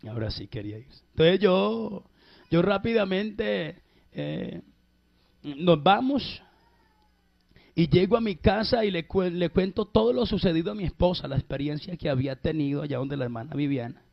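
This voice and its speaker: A man's voice: high voice, expressive, gravelly. A man preaching a personal testimony in an emphatic way, stretching out key phrases and calling his listeners brother. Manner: emphatic, drawn-out phrases addressed to "hermano". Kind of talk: sermon testimony. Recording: dull lo-fi recording.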